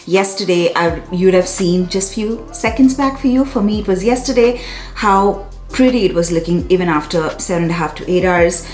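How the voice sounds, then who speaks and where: A woman's voice: lowish voice, normal speed, a little mellow. Woman, 30s, chatty beauty vlogger, effusive and self-correcting, roomy echo with faint music under her. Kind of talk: casual product review to camera. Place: small bright room indoors.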